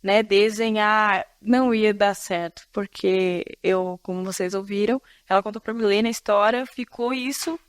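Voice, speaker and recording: A woman pastor from Florianópolis hosting a faith podcast, talking in a lively, expressive way with frequent laughter and asides to her listeners. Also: mid-range voice, normal speed, hardly any pauses, clear, resonant tone, no echo. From Florianópolis, Brazil. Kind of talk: casual faith-based podcast conversation.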